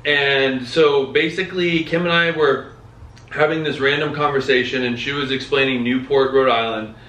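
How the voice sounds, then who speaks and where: A man in his thirties co-hosting a podcast, telling a story in a lively, casual way. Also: mid-range voice, normal speed. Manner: animated, acts out quoted voices. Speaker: podcast co-host. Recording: echoey room, mic at a distance.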